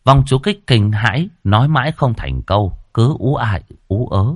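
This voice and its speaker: Man reading a ghost story, lively ups and downs, lowish voice, dry close sound. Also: moderate pace, breathy edge, no room sound. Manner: expressive, dramatic reading.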